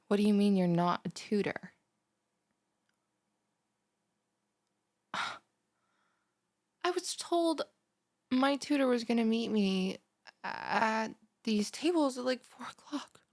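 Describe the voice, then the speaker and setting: A woman's voice: on the high side, animated, slow pace, long pauses, darkish tone, no room sound, studio quality. A young woman playing a scatterbrained, chatty, bubbly student in a one-sided audio roleplay, rambling like a valley girl straight at the listener. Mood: confused. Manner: rambling valley-girl chatter full of "like", sighs and breathy asides. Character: chatty, scatterbrained, over-caffeinated bimbo female college student, bubbly and blunt.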